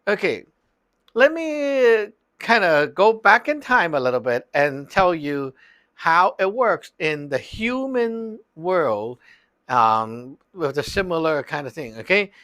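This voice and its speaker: Slow-talking man teaching in a dry room. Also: fairly high pitch, sing-song, a bit bright, dry recording. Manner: loose and chatty, peppered with "like" and "okay?". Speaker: Taoist teacher. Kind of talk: casual spoken lesson.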